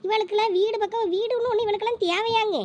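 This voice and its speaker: A woman's voice: very high voice, steady tone, fast talker. A woman voicing a bitter village mother-in-law who complains about her daughter-in-law. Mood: bitter grumbling. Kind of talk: village comedy skit.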